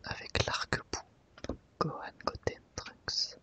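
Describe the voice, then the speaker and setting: In a gentle ASMR video, a woman whispers in a soft, breathy way, pacing her phrases with unhurried care. Her microphone has been set a bit off to the side.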